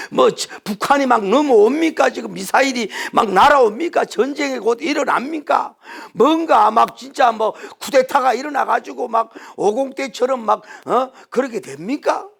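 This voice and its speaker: A male pastor preaching a sermon emphatically, with many rhetorical questions, swinging from loud to hushed. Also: extremely high pitch, creaky.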